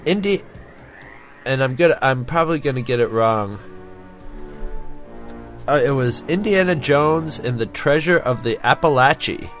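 A man chatting casually as a podcast co-host in a rambling, halting way. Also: mid-range voice, expressive, a bit bright, faint music behind. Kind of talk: casual chat.

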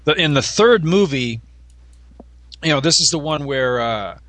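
Bright, chatty middle-aged man. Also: on the high side, animated, measured pace, no echo. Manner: chatty, nostalgic, rambling with fillers. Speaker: podcast co-host. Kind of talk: casual chat.

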